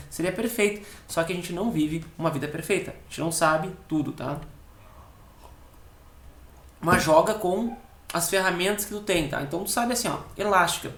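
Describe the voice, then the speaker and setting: A man with a southern Brazilian accent teaching an exam-prep lesson, explaining step by step and tagging nearly every phrase with a quick check-in question. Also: high-pitched. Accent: southern Brazilian (Rio Grande do Sul). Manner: repeats key words slowly for emphasis. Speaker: Portuguese teacher for civil service exams. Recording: echoey room.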